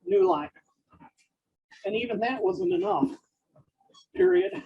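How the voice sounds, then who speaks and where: A husky, gravelly speaker dictates a story slowly, phrase by phrase, naming the punctuation aloud. The pitch swings widely between words and marks. The recording is slightly dull and lo-fi. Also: sing-song. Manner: halting, delivered in short separated phrases.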